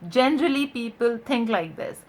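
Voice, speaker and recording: This woman's voice is fairly high and animated, with a darkish tone and a little hiss or hum on the audio. An online voice and accent coach whose first language is not English, she teaches an explanatory video lesson. She's emphatic, stretching out key words and often checking in with tags like "right?".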